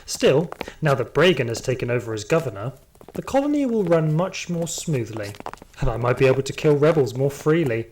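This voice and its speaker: A man playing a sadistic, power-hungry security guard, narrating his story in an audio drama with deliberate menace. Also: medium pitch, big pitch swings, darkish tone, slight background noise, natural voice, poor audio. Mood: cold satisfaction. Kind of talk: scripted first-person audio drama monologue. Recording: music behind the voice.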